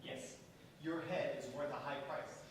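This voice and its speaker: Casting: man playing a cautious Westernised negotiator, restrained stage delivery, fairly high voice, heard from a distance. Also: steady tone, unhurried, close to an everyday voice. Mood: wary, restrained. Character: wary, plain-spoken Westernised male intermediary. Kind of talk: theatrical staged reading. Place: large echoing hall, staged reading. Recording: very echoey room, distant mic, faint noise.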